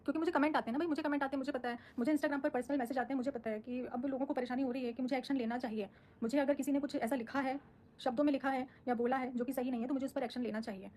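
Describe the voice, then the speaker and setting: A woman talks quickly and firmly on a live stream, answering the comments her viewers send her. She sounds defensive and outspoken, and her voice sits fairly high for a woman. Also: fairly even intonation, darkish tone. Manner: firm, defensive, speaks her mind. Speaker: social media creator on a live stream.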